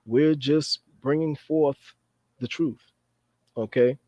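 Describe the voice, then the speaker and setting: A man's voice: fairly high pitch, slow pace, warm tone, dry recording. A man hosting a talk show in an earnest, repetitive way, often adding "you know" and "okay". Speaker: podcast host. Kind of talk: casual commentary. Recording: dry, dull lo-fi sound.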